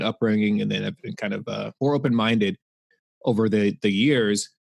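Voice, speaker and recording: This is a man with an American accent and a medium pitch. He has a plain, everyday voice, and the sound is dry and close with no echo. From US East Coast, Florida. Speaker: anesthesiologist, podcast host. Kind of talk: casual interview chat.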